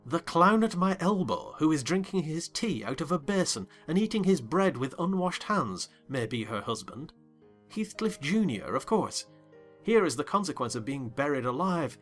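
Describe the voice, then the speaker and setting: Bright, expressive male audiobook narrator. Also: a little high. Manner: expressive, wry. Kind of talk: dramatized audiobook reading.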